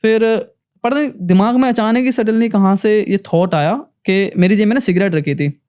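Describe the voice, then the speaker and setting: High, smooth-voiced young man. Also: normal speed, darkish tone. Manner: earnest, recounts events in vivid detail. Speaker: paranormal investigator guest. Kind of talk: emotional storytelling in a podcast interview.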